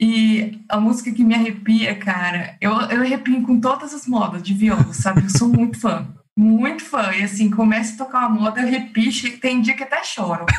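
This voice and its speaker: A woman with a fairly high pitch and ordinary pitch variation talks at a moderate pace with hardly any pauses. Noticeable background noise and audible room echo surround her voice. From interior of São Paulo state, Brazil. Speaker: animal scientist and agribusiness communicator. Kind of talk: casual interview chat.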